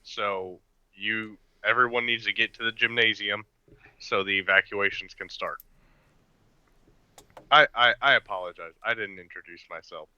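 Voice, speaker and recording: A man playing a polite, firm government agent with a formal, measured, diplomatic manner in a tabletop game. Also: lowish voice, steady tone, pushed and bright, clean tone, dry recording, lo-fi sound. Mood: official, polite.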